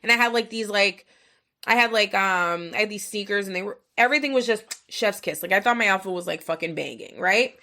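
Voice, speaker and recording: A woman's voice: mid-range voice, a little fast. A woman in her thirties hosting a podcast, telling a personal story in a rambling, profane, casual way, full of fillers and acted-out quotes. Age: 30s. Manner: rambling, profane, filler-heavy, animated retelling with quoted voices. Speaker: podcast host.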